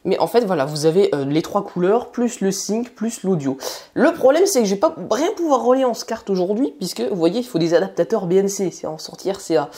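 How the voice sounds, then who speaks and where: A woman's voice: fairly low pitch, warm tone. A woman hosting a casual tech unboxing vlog, rambling and chatty with many fillers and restarts, recorded indoors on a wireless mic. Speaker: tech video host.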